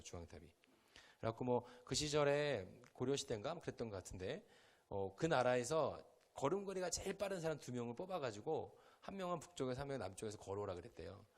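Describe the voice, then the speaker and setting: A young male pastor from Chungcheong, South Korea, giving a conversational sermon to a youth group in a church hall and quizzing the listeners with questions. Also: mid-range voice.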